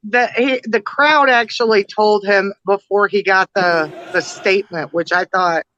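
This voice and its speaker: Woman on muffled lo-fi call, bright sharp voice, chatting politics kinda halting and dry. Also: mid-range voice, steady tone, no echo. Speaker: livestream co-host. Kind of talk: casual political chat. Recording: dull lo-fi call audio.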